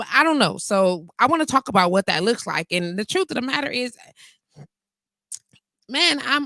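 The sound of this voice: A woman talks at a moderate pace with lively intonation and a fairly bright tone. The sound is dry and close with no echo.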